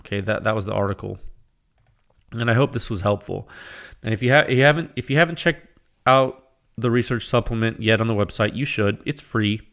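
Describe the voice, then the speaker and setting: A man's voice: lowish voice, brisk, a bit bright. Man hosting a casual solo podcast. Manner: casual, filler-heavy, enthusiastic with frequent "you know". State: losing his voice. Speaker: podcast host.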